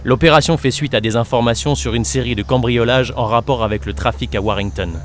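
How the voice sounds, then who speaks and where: A man's voice: medium pitch, a little fast. A man reading scripted narration as a professional voice-over artist. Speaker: voice actor. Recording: music under the voice. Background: music.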